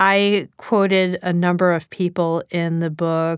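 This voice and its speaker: In a New Jersey accent, a woman speaks at a fairly low pitch with fairly even intonation. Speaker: author and health journalist. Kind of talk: interview reflection on recording audiobook.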